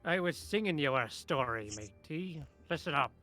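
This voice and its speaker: A man voicing a gruff old fisherman in a tabletop role-play, sentimental and haunted by his lost crew, talking in salty sailor phrases. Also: on the high side, animated, normal speed, pushed and bright, soft background music. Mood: gruff, nostalgic. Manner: gruff old-sailor talk with matey and aye.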